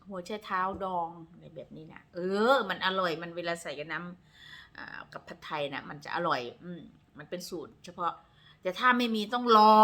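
A woman's voice: lowish voice, sharp tone. A woman from Northeast Thailand, chatting casually and rambling a bit to camera in her vlog. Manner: chatty, rambling, refers to herself by name. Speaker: vlogger. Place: home in Texas.

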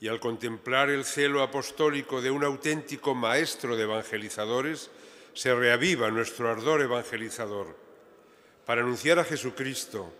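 A man's voice: mid-range voice, normal speed, bright, forceful tone. An older man over sixty, a bishop, reading a written homily with cathedral echo around his voice. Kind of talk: sermon read from a written text. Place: large cathedral, seated at the altar.

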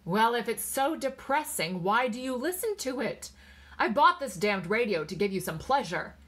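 A woman's voice: medium pitch, moderate pace, natural voice. Lady narrator doing a worn-out husband in an audiobook, firm, fed up but reasoning. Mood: exasperated. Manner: firm, tired, remonstrating. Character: weary, exasperated husband, reasoning and reassuring.

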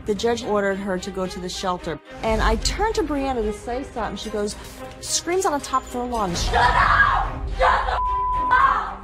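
A middle-aged woman speaks to an off-camera interviewer, seated indoors and recounting events in a weary, matter-of-fact way. Her voice sits at an ordinary pitch while music plays clearly behind her. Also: wildly swooping pitch, normal speed, long pauses. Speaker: guest, mother. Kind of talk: taped personal testimony.

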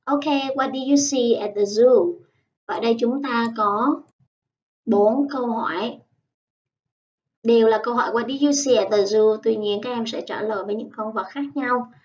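A woman teaching English in an online lesson, patiently explaining and modelling phrases slowly. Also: fairly high pitch, fairly even intonation, darkish tone. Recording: dull, slightly distant lo-fi sound.

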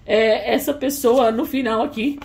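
Give me a soft-spoken woman musing through a tarot reading. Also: fairly high pitch, fairly even intonation, unhurried, creaky. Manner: soft, musing, talks to viewers with frequent fillers. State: tearful. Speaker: tarot reader.

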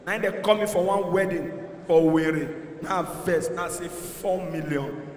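A young man with a Nigerian accent performing an animated stand-up set on a handheld mic, shouting punchlines in Pidgin. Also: high-pitched, unhurried. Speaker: stand-up comedian. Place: large concert hall stage. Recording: echoey hall, crowd faintly behind.

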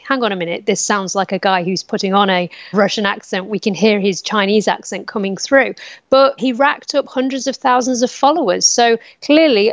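A woman from the UK, a media analyst, explaining a story clearly in a news interview. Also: on the high side, dry recording, dull audio.

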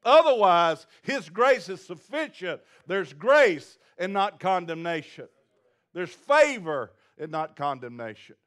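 With a high, somewhat bright voice that moves slowly and swings widely in pitch, a middle-aged pastor preaches to a small congregation seated before a church stage. He paces the stage with broad gestures, building intensity through emphatic repetition.

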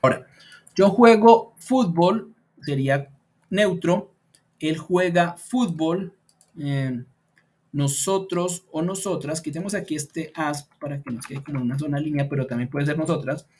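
A male teacher talks through an online beginner lesson, thinking aloud as he adjusts his slides. He leans on fillers and stretches out example sentences slowly so learners can follow the intonation. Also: a little high, breathy edge. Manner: thinks aloud while editing slides, many fillers like "pues" and "entonces"; slows down to model example sentences. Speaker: English teacher.

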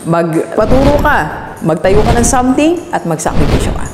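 A woman's voice: on the high side, lively intonation, moderate pace, roomy sound, in a large hall, background noise. A woman with a Filipino accent, a business coach giving a motivational vlog talk and challenging the listener with repeated rhetorical questions. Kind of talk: motivational vlog talk in mixed Tagalog and English.

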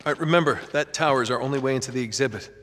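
A man's voice: medium pitch, rapid-fire, fairly bright tone, a little hiss or hum, lightly acted. An actor playing a wry, easygoing American adventurer in his thirties, talking casually and dryly in a video game. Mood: breezy, confident. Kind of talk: naturalistic video game acting. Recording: music underneath.

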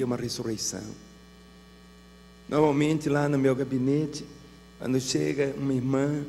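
A man's voice: fairly high pitch, creaky, warm tone, big-room sound, a little hiss or hum. A Brazilian man preaching a sermon as pastor, telling vivid pastoral anecdotes. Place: large church hall.

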